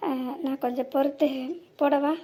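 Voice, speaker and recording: A woman voicing a gentle grown son in a cartoon comedy, hesitant and faltering, with a southern Tamil Nadu accent. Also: high voice, flat delivery, normal speed, voice pushed down, natural voice. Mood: hesitant, evasive.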